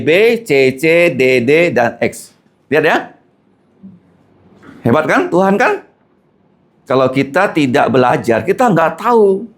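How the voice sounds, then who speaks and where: Animated pastor teaching a class. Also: male voice, a little high. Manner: lively, asks the class questions and answers them.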